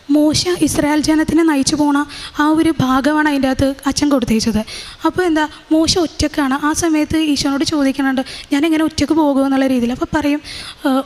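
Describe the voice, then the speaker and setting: A young woman giving a religious testimony, halting, with many fillers and restarts. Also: high voice, darkish tone. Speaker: testimony speaker. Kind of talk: religious testimony, personal account.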